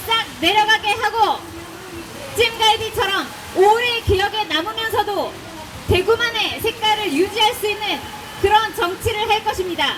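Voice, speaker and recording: Amid noticeable background noise, a woman speaks fairly slowly at an extremely high pitch with fairly even intonation. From South Korea, Daegu. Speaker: politician, party list candidate. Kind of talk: campaign rally speech. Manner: formal.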